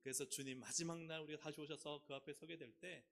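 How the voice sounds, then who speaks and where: A man's voice: steady tone, fast talker, gravelly, fairly bright tone. A male pastor preaching a sermon in a church, asking the congregation questions and leading them in reading aloud. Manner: asks the congregation questions and leads responsive reading with sweeping pitch swings. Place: church sanctuary.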